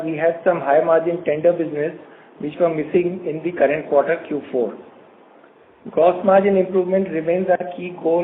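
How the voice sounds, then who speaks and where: A man with an Indian accent speaking as a company executive on an earnings call, formal, measured and halting. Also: a little high. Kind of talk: prepared business remarks and investor answers. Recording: phone-like conference line with faint noise.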